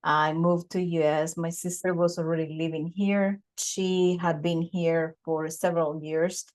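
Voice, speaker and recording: Telling her life story as an interview guest, a woman from Bogota talks slowly in a low, darkish voice with a flat delivery. Her relaxed pace comes with many pauses and fillers. The setting is a home office with bookshelves, recorded through a desk mic on a video call.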